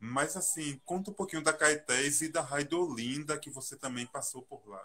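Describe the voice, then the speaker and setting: Bright, sharp tone from a man with a fairly high voice. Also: ordinary pitch variation, moderate pace, big swings in loudness. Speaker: live host, presenter of the channel. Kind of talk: casual live-stream hosting, talking to guest and audience. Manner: upbeat, friendly.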